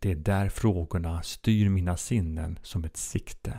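Somewhat breathy and dark, mellow in tone, the voice shows ordinary pitch variation on a very clean recording with a silent background. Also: man. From Stockholm, Södermalm. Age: 50s. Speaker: former police officer turned author. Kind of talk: reading aloud; scripted monologue.

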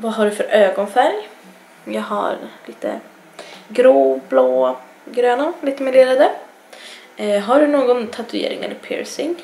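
A woman speaks at a fairly slow pace with long, frequent pauses and big swings in loudness. Audible room echo surrounds her voice. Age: 20s. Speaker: vlogger. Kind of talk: Q&A tag video, casual monologue. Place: home room. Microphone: webcam.

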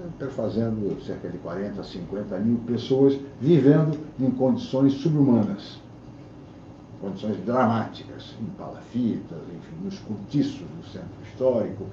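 Speaking at a fairly slow pace with lively intonation, a man is heard over light background noise with audible room echo. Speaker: news interview host. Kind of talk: formal TV interview. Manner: formal. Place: studio.

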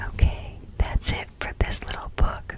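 The pace is very slow. She whispers throughout, a woman's voice. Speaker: ASMR storyteller. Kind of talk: ASMR whispered bedtime story reading. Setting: home recording, close mic. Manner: whispered.

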